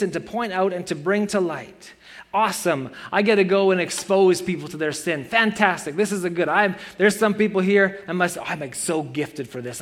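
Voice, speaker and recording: A man in his forties preaching a sermon in a church, earnest and conversational, with playful self-mocking asides. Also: sits high. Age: 40s. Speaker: pastor.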